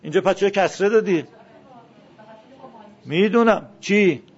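A man's voice: high-pitched, breathy edge. A man teaching a classroom lesson, questioning his students and drilling word forms aloud. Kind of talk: classroom lesson on Arabic grammar. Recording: dull lo-fi classroom recording.

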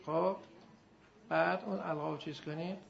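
A man teaching Arabic grammar in a classroom, chanting verb forms in rhythmic drills and firing quick questions at his students. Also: fairly high pitch, steady tone, creaky. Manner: recites verb forms in a loud rhythmic chant, then drops to quiet asides. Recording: dull lo-fi recording with faint background noise.

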